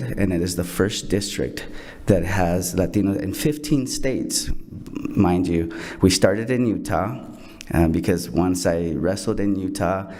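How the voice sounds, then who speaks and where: A man's voice: low-pitched, a little mellow. A middle-aged man, originally from El Salvador, giving earnest prepared thanks to a school board and repeating phrases for emphasis. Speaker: program founder presenting to a school board. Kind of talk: prepared remarks at a public meeting.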